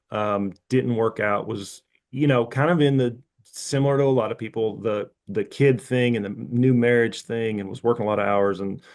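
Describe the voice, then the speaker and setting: A man in his fifties with a somewhat low voice speaks as a podcast guest. He is candid and loose, circling his point with asides and self-corrections. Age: 50s. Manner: frank, rambling, candid. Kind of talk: casual interview talk.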